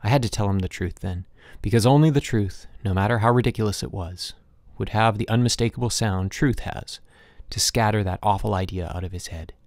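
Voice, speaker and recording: A man narrating a literary short story as an audiobook, in a measured, reflective storytelling manner. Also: fairly low pitch, darkish tone, no room sound, studio quality.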